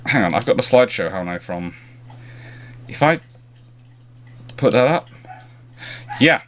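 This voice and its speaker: A man's voice: medium pitch, lively intonation, measured pace, fairly bright tone. A man hosting a live stream in a casual, chatty way, often rambling and breaking off mid-sentence. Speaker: livestream host answering naval history questions.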